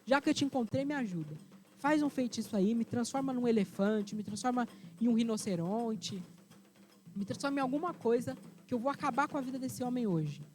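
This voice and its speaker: A woman's voice: high voice, fairly quick, darkish tone, pitched above the performer's own voice, natural voice. A woman storyteller voicing a proud, furious warrior queen who speaks defiantly. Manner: indignant, defiant, raised voice.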